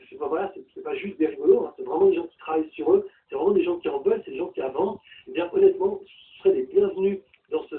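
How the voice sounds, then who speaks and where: A man working as a coach, presenting a course in an animated, colloquial and emphatic way. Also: a little high. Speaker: personal development coach. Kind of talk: promotional talk to camera introducing a course. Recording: distant mic, thin phone-like sound.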